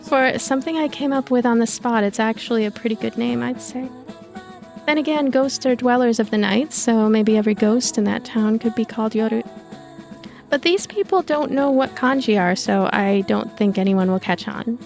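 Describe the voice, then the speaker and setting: A woman's voice: a little high, moderate pace, creaky, a little mellow. A woman reading a visual novel story aloud as a let's play narrator, with her own commentary, over background music. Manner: reads story aloud in character. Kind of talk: voiced game narration and commentary. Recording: music behind the voice.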